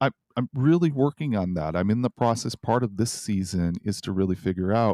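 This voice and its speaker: On a very clean recording with a silent background and a dry, close sound with no echo, a man with a dark, mellow tone and fairly low pitch speaks at a fairly quick pace with lively intonation. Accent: American. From US Midwest, northern Indiana. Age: 60s. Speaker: podcast host, cyclist. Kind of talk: interview conversation.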